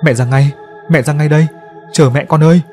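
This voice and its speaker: A man's voice: fairly high pitch, fairly even intonation, a little fast, darkish tone, faint music behind, voice pushed up, lightly acted. A man doing a frantic, wailing possessed mother. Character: frantic possessed mother calling for her dead son.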